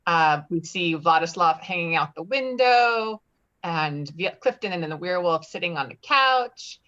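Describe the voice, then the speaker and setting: A woman reading screenplay directions at a table read in a plain, halting way. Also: lowish voice, expressive, fairly bright tone. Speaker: stage directions reader. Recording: slightly dull, lo-fi audio.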